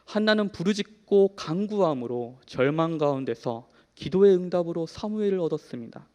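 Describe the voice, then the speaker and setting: A man in his thirties preaching a sermon in a church, telling a personal story in an earnest way, shifting from soft to emphatic. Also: a little high, expressive, moderate pace, highs cut off. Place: church hall. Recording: long hall reverb.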